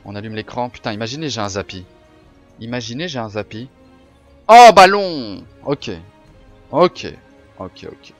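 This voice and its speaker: A man streaming a card-pack opening, chatting casually with his viewers, swearing and getting excited. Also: on the low side, moderate pace, pauses often, lo-fi sound, soft background music. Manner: excitable, swears, talks to chat. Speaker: gaming streamer. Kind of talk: casual game commentary.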